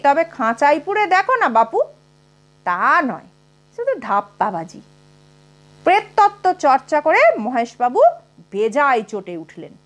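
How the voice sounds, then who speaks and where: A woman narrates a comic short story as an audiobook, with expressive delivery. Her voice sits high and moves through wide, lively rises and falls. A faint mains hum lies beneath the recording.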